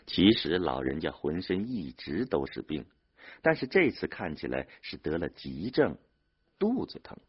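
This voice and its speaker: A man narrating a novel as an expressive audiobook reader. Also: deep voice, measured pace, husky. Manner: expressive storyteller. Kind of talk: dramatic audiobook reading. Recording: dull lo-fi audio.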